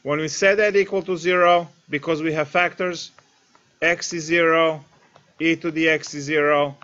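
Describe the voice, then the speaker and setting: High-voiced male math tutor, lo-fi. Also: fairly even intonation, moderate pace, pushed and bright. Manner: explains step by step, addresses viewers directly. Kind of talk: live-streamed calculus lesson.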